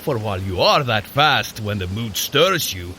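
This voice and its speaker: A man's voice: on the low side, sing-song, a little slow, sharp tone, slight background noise, exaggerated voice. An actor playing a hearty, boastful Norse warrior god in an audio drama, a jovial storyteller who teases his brother. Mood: amused, teasing.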